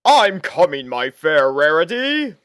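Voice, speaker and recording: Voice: mid-range voice, big pitch swings, takes it slowly, fairly bright tone, smooth, dry recording, clean studio sound, voice pushed up. A narrator playing a bold young male dragon hero, proud and declamatory, in a storybook reading. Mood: bold, defiant.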